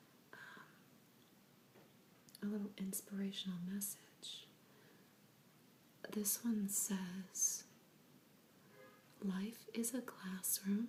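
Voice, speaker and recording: A soft-spoken woman with a relaxed tone and medium pitch, flat monotone intonation, big swings in loudness, a very slow pace, and long, frequent pauses. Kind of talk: casual talk to camera. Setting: close-mic ASMR recording with water sounds. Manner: soft-spoken, slow, relaxed.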